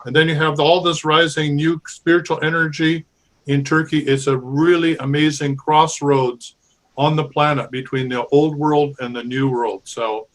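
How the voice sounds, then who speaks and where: A calm man hosting a call-in show. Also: a little high, normal speed. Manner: calm, talks about curses and spiritual healing with conviction. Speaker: host. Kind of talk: live call-in show chat.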